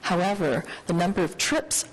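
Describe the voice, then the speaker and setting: A woman with a slightly low voice explains things in a formal meeting. She goes haltingly, phrase by phrase, in the manner of a staff expert answering questions. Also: low-quality recording.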